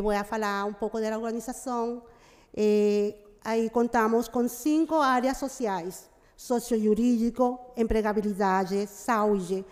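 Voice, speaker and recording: A middle-aged woman gives a formal speech in a halting Portuguese-mix, stopping often to hesitate. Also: fairly high pitch, a little mellow. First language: Spanish. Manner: mixes Portuguese with Spanish (portunhol). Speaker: representative of a migrant community organization. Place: large wood-panelled legislative chamber, indoors. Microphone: gooseneck desk microphone. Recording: echoey hall with long reverb.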